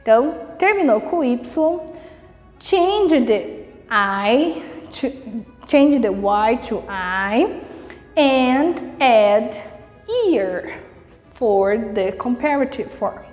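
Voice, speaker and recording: A woman with a high voice teaches an English grammar lesson at an unhurried pace. She reads each rule carefully, explains it in a friendly, encouraging way, and keeps checking in with her students. The recording has a long reverb and faint music underneath. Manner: lively and encouraging, repeating "vamos lá" and "ok?"; reads English rules slowly, then explains them in Portuguese.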